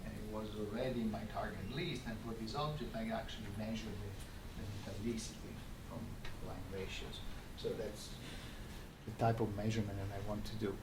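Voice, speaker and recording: A man giving an academic lecture as an astrophysicist, explaining in a halting way with repeated words. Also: lowish voice, steady tone. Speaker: astrophysicist giving a colloquium talk. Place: lecture room, recorded from a distance. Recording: echoey, distant microphone, clearly noisy room.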